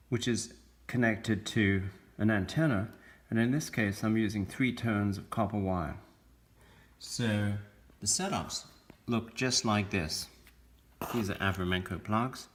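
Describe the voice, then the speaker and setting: Man, fairly low voice, science presenter, explanatory demo narration, measured short phrases, halting delivery. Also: fairly bright tone, slight background noise. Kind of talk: explanatory narration of an electronics demonstration.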